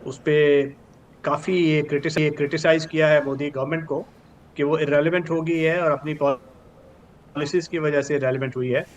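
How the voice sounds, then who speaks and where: Older Pakistani male analyst, slightly high voice, formal and deliberate, faint noise behind. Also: steady tone. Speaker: retired brigadier, news analyst. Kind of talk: formal news analysis in Urdu mixed with English terms. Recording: clearly noisy with background ambience.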